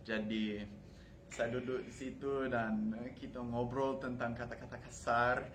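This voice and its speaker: A man's voice: medium pitch, level tone, measured pace, fairly bright tone. A young American man, a native English speaker, talking casually to camera as a foreigner speaking Indonesian. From United States. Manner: foreigner speaking Indonesian, with Malay-tinged wording. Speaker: university language student. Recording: clearly noisy room ambience.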